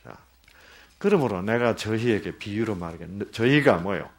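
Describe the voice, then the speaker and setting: A man's voice: fairly low pitch, animated, normal speed. A man pastor giving a sermon-style Bible lesson, asking the congregation questions and answering them himself, sometimes dropping to a whisper. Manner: drops to a whisper at times. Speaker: pastor teaching Bible study.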